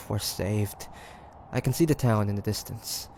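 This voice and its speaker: A man playing a guarded, sardonic young demon hunter with a soft side, in a hesitant, stammering roleplay audio drama. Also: lowish voice, slow pace, vocal fry, slight background noise. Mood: relieved, surprised. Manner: hesitant, stammering, teasing, sighing. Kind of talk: roleplay audio drama, one-sided dialogue.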